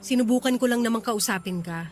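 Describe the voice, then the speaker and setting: Isang babaeng gumaganap sa dramang pag-ibig sa radyo bilang prangka at malungkot na dalagang nakikipaghiwalay sa nobyo. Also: female voice, on the high side, brisk, slight background noise, lightly acted. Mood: subdued. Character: unhappy young woman bluntly breaking up with her boyfriend. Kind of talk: radio romance drama acting.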